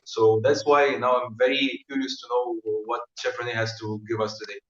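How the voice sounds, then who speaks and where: Male guest, measured and a little halting, picked up from afar in a roomy space, dull sound. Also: medium pitch, little pitch movement. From Lebanon. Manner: measured, with frequent hesitations. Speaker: guest, restaurant manager. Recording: echoey room, distant mic, dull lo-fi.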